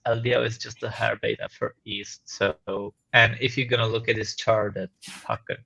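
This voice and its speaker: A man's voice: on the low side, level tone, moderate pace, vocal fry, pushed and bright. A man on a live panel show, joining by a remote call away from home, his voice muffled as if through a wall while he explains his views in upbeat, plain terms. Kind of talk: casual panel chat. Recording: dull muffled call audio.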